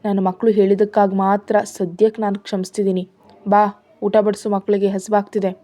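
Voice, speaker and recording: A woman's voice: medium pitch, flat delivery, fairly quick, dark tone, natural voice. A woman voicing a hot-tempered, domineering husband who scolds harshly and sarcastically. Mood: stern.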